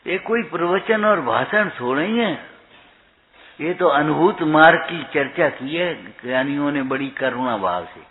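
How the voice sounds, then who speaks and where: A man giving a spiritual discourse, chanting verses slowly and then explaining them in a questioning, chiding way. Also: a little high, expressive. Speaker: preacher. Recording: tinny phone-like recording.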